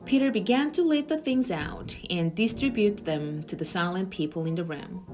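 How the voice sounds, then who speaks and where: A woman's voice: medium pitch, expressive, moderate pace, music in the background. A woman narrator reading a children's novel aloud in a storytelling style.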